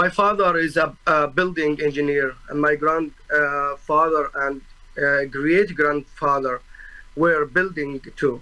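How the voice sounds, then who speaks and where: Speaking with a Palestinian accent, a man has a bright, sharp tone at a fairly high pitch, with fairly even intonation and a fairly slow pace. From Gaza, Palestine. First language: Arabic. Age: 20s. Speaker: journalist. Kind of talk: tribunal testimony. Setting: remote video call.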